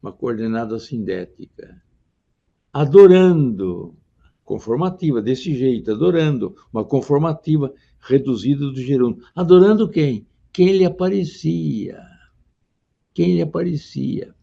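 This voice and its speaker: An older man teaching a grammar class, reciting verses slowly and dramatically between explanations. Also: medium pitch, animated, gravelly, warm tone. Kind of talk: lecture on grammar and poetry. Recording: dull lo-fi lecture recording.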